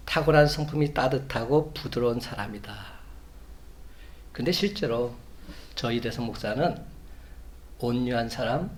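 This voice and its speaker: A man preaching a Sunday sermon as a pastor, measured, building to emphatic peaks. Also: medium pitch, darkish tone, a little hiss or hum. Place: church sanctuary.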